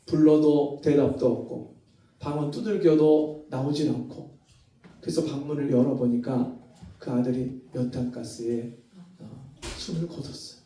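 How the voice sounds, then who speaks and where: A man's voice: medium pitch, fairly even intonation, a little slow, warm tone. A male pastor telling a story in an earnest, dramatic sermon. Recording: very echoey hall, mic far off.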